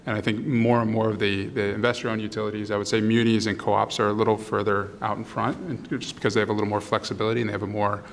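A man's voice: lowish voice, level tone, quick pace, few pauses, slight background noise. A man speaking as a panelist at a policy discussion, filling his talk with "you know" and "um". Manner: filler-heavy, many "you know"s and "um"s.

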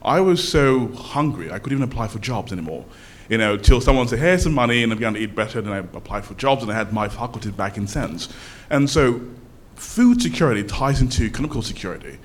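A man's voice: medium pitch, lively intonation, fast. A man speaking up from the audience at a public forum, telling things informally in an emphatic, conversational way.

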